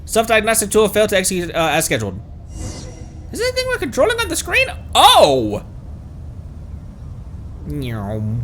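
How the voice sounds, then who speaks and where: A man's voice: high voice, wildly swooping pitch, normal speed, pauses often, fairly bright tone, a little hiss or hum. A man doing casual, playful gameplay livestream commentary, goofy, sweary and given to silly little noises. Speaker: streamer playing a video game. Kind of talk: casual gameplay livestream commentary, reading game text aloud.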